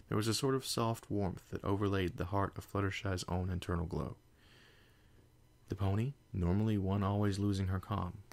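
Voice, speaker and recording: A man narrates a fan story in a steady, measured way. His voice is on the low side with a strong vocal fry. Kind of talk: fan fiction audiobook reading.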